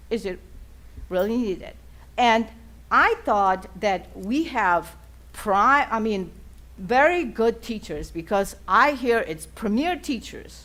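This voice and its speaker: A woman's fairly high, bright, sharp voice with a non-native accent, lively intonation and vocal fry, at a very slow pace with long, frequent pauses. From outside the US, came at 21. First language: not English. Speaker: public commenter at school board meeting. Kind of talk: public comment. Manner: halting.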